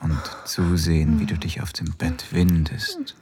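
A commanding male lover in an audio drama, with a strikingly deep voice that murmurs and whispers its orders. He takes his time over every word. A faint hiss sits under the recording. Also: huge pitch swings, a little slow, exaggerated voice. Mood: dominant. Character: dominant male lover, an adult professor. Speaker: voice actor in an erotic audio drama. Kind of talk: intimate audio drama acting.

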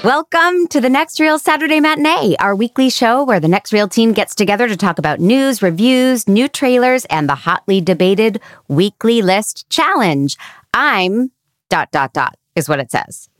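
A woman's voice: fairly high pitch, lively intonation, normal speed, dry recording, studio quality. A woman hosting a film podcast in casual chat, with a slight cold in her voice. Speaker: podcast host.

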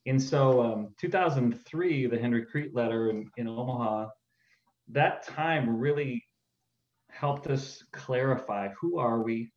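A man's voice: medium pitch, unhurried, darkish tone, echoey room, lo-fi sound. A man in his forties with a Northern Midwest American accent, talking earnestly as an interview guest, laughing easily with frequent fillers. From upper Midwest of the USA. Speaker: church planter, interview guest. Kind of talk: casual interview conversation.

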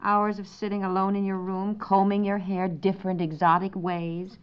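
Casting: actress as sensible, fretting wife and mother, medium-pitched, gently wry, natural domestic radio comedy on a dull vintage recording. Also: flat delivery, moderate pace, clean tone, close to an everyday voice. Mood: wistful, fretful. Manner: conversational, gently wry, dramatizing her worries.

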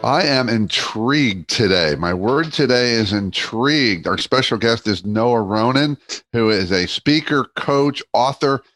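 A man's voice: medium pitch, lively intonation, a little slow, fairly bright tone, no room sound, faint music behind. A man, hosting a podcast and introducing the show and its guest. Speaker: podcast host.

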